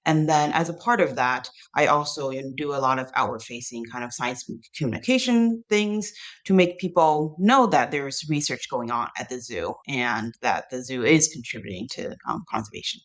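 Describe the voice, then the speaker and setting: A woman from Taiwan, a guest who works as a zoo research curator, introducing herself in a measured way with occasional "um". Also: a bass voice, lively intonation. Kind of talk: interview self-introduction.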